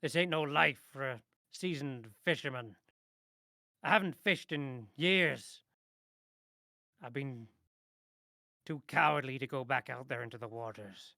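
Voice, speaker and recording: A man voicing a gruff old fisherman in a tabletop role-play, sentimental and haunted by his lost crew, talking in salty sailor phrases. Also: medium pitch, unhurried, long pauses, bright, forceful tone, no room sound, clean studio sound. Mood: mournful, regretful. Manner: gruff old-sailor talk with matey and aye.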